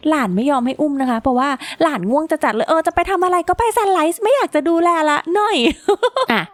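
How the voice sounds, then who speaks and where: A woman with a high voice hosts a gaming video in a chatty, casual way. She talks to her viewers and to the characters on screen as she plays. The sound is dry, with no room echo. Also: big pitch swings, brisk. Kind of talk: casual game commentary.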